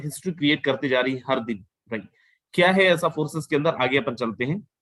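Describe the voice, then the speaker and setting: A man's voice: on the high side, fairly bright tone, dry recording, low-quality recording. A man giving a persuasive sales webinar over a video call, repeating his points and mixing in phrases. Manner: persuasive, repetitive, mixes Hindi with English phrases. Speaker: webinar presenter.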